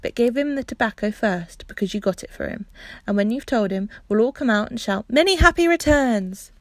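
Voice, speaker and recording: A woman's voice: a little high, lively intonation, fairly quick, no room sound. A woman doing an anxious, earnest young girl. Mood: eager. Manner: breathless, urgent whispering.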